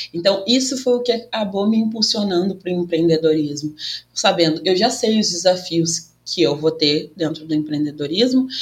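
A somewhat breathy woman's voice at medium pitch. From Rio Grande do Sul, Brazil (Rio Grande, raised in Porto Alegre). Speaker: financial consultant. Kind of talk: interview. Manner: halting.

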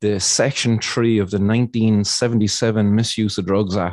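Over a quiet background, a man with a strong Irish accent speaks in a fairly low, flat monotone, the sound dry and close with no echo. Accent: Irish, thick. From Ireland, Cork. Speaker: cannabis activist. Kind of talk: podcast interview. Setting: remote call, late night his time. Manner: halting, many fillers and repetitions.

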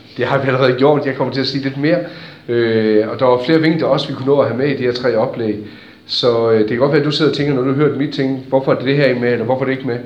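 With audible room echo and noticeable background noise, a man talks very fast with fairly even intonation. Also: medium pitch for a man. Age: 30s. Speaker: church speaker and organizer. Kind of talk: talk to a church audience. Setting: stage with audience. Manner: halting.

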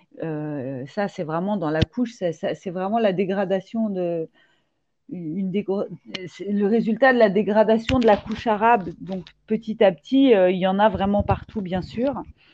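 A woman speaks at a fairly slow pace with a dark, mellow tone, a medium pitch and ordinary pitch variation. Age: 50s. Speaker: ceramic artist. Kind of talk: interview. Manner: halting, many fillers and repetitions.

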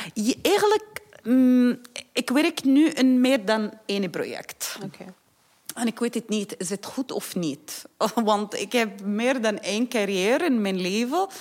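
With lively intonation and a fairly high pitch, a woman talks at a very slow pace. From Palestinian territories. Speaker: poet. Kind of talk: casual conversation. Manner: halting.

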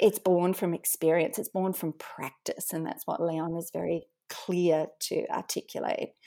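A woman with an Australian accent speaks at a fairly slow pace with hardly any pauses. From Western Australia (Perth). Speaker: architecture curator and author. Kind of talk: interview conversation. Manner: hesitant, many fillers.

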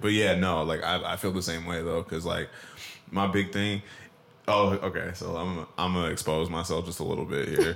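A man with an American accent and a very deep, low pitch speaks at a moderate pace against noticeable background noise. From Washington State. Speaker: podcast co-host. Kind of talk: casual chat.

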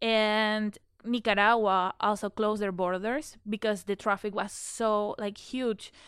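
A woman with a Spanish accent speaks at a fairly high pitch in a monotone, flat delivery at a fairly slow pace, recorded very cleanly with a silent background and a dry, close sound with no echo. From Panama (Panama City). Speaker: exchange entrepreneur. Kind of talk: interview.

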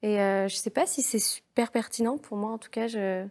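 A woman speaks at a fairly slow pace with a fairly high pitch and fairly even intonation. The recording is very clean with a silent background. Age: 20s. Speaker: actress. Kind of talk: casual chat.

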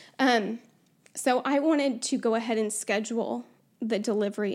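In a very clean recording with a silent background, a woman with an American accent speaks at a moderate pace, her fairly high voice carrying vocal fry and fairly even intonation. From Oklahoma, US. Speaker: stay-at-home mom. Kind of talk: testimony.

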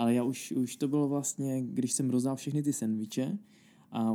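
Dark and mellow in tone, a man's voice sits at a medium pitch with ordinary pitch variation and a moderate pace. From Český Těšín, Moravian-Silesian Region, Czechia. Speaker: trainee lawyer. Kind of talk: interview.

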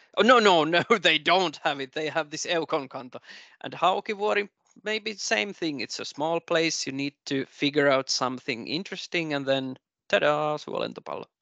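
A man with a Finnish accent speaks at a moderate pace in a fairly high pitch, his tone bright and sharp with lively intonation. The sound is dry and close with no echo, and the background is quiet. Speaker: university planner, regular contributor. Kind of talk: casual round-table discussion. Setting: video call from home office.

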